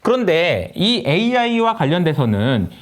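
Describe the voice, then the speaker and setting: Animated Korean man giving market commentary. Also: high voice, moderate pace. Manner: lively, acts out dialogue between countries and companies. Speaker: investment lecturer. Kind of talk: solo investment commentary to camera.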